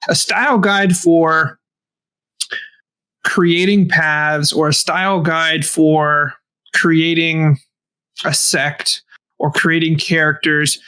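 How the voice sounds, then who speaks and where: A man's voice: a little high, level tone, slow pace, pauses often, sharp tone, clear, resonant tone, low-quality recording. A man co-hosting a podcast in casual chat, talking enthusiastically in bursts. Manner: enthusiastic, rants in bursts with swearing. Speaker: podcast co-host.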